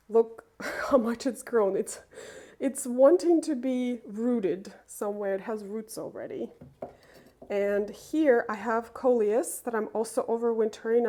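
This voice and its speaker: A woman chatting casually through a tour of her indoor plant room, unhurried and enthusiastic, with small laughs and fillers. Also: fairly high pitch, a little mellow. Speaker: plant vlogger.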